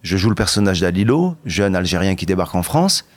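A middle-aged man as a podcast guest, telling stories in a lively, halting way with bursts of excitement. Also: sits low, no room sound. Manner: animated storytelling, halting restarts, bursts of excitement. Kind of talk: candid interview talk.

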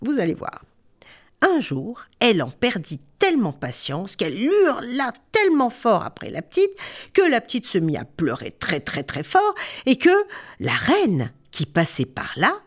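A woman's voice: fairly low pitch, wildly swooping pitch, unhurried, slightly rough. A woman telling a fairy tale to children, with chatty asides to her listeners. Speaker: storyteller. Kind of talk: children's storytelling.

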